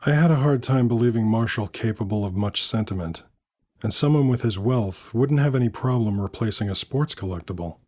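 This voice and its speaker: A man narrating a scripted first-person story in a measured, dry, wry manner. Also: lowish voice, darkish tone.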